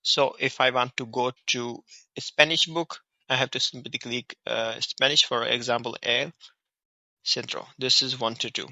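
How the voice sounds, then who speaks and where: A man with a South Asian accent walks through an app in an informal tutorial style. His voice is middle-pitched and strikingly bright and sharp, recorded dry and close. He instructs step by step, repeating himself and checking in. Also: fairly even intonation, moderate pace, gravelly, no room sound, low-quality recording. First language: Hindi or Urdu. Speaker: app reviewer and tutorial host.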